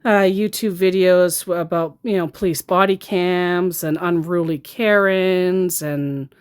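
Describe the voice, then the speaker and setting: A woman's voice: lowish voice, fairly even intonation, slow pace, clear, resonant tone. A woman who baits scammers, narrating a casual vlog with a sarcastic, mocking manner. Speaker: scam baiter.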